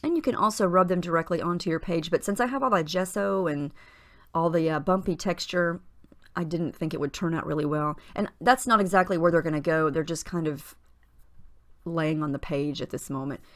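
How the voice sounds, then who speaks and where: Woman with a husky morning voice, narrating crafts. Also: fairly low pitch, fairly quick. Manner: chatty and relaxed, with small fillers and restarts. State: husky morning voice, clearing her throat. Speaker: scrapbooking tutorial host. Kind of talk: casual voice-over narration of a craft process.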